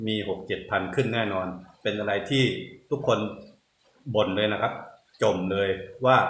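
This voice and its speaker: A man hosts a news vlog in a bright, forceful voice with a slightly low pitch. He narrates energetically and stretches words for emphasis. The sound carries a roomy echo and faint background noise. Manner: upbeat announcer delivery with drawn-out emphasis.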